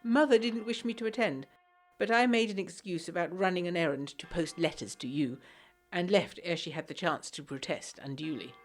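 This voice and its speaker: A woman's voice: fairly low pitch, moderate pace, faint music behind, close to an everyday voice. An actress playing a genteel, frail young Englishwoman of the 1920s, reading her letter aloud in a formal, earnest, articulate manner for a gothic period audio drama. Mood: solemn, reflective.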